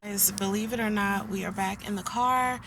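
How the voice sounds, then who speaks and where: A woman's voice: mid-range voice, fairly even intonation, moderate pace, background noise. A woman in her forties, chatting casually from inside her car, annoyed and venting with lots of "guys" to her viewers. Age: 40s. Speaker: vlogger. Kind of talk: casual vlog chat.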